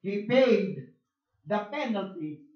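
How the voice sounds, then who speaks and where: A Filipino man preaching a bilingual sermon as pastor, shifting from soft, low asides to loud, emphatic lines, often stammering and repeating words. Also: animated, takes it slowly. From Philippines. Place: church conference hall. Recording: roomy, dull church recording.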